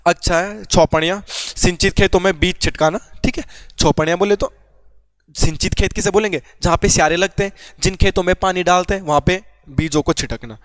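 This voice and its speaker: A man's voice: sits high, fairly quick, fairly bright tone, no room sound. A young man from Garhwal teaching an informal exam-prep lesson, chatty, asking and answering his own questions. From Uttarakhand, Garhwal.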